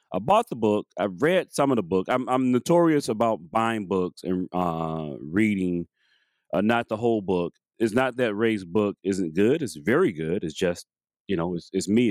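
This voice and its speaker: A man with a slightly raspy voice hosting a tech interview show, chatting casually and rambling with restarts. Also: lowish voice, darkish tone, no echo, clean studio sound. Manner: rambling, with many restarts and fillers. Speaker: podcast host.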